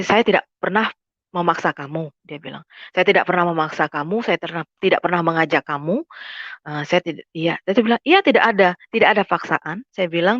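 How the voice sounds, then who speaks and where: Woman, hesitant testimony narrator, low voice, dry dull lo-fi recording. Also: no echo. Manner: hesitant, many fillers, retells dialogue. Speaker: testimony speaker. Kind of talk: personal testimony storytelling.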